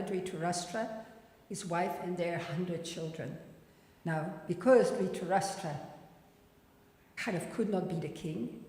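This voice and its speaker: A woman's voice: lowish voice, mellow. A woman teaching a scripture class, reading and explaining in plain, informal words. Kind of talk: scripture lecture with recitation and explanation. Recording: very echoey, reverberant hall.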